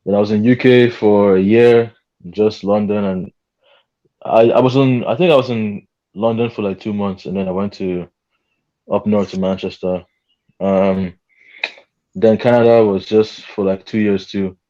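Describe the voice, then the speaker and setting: A man's voice: on the low side, steady tone, a little slow, dark tone. A man chatting casually on a video call, friendly and a little hesitant. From Nigeria. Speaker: panel guest. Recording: lo-fi call audio.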